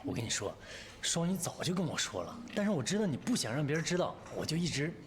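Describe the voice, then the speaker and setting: Friendly young male coworker, lively, roomy and noisy set. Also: on the high side, quick pace. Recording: roomy room with clear background noise.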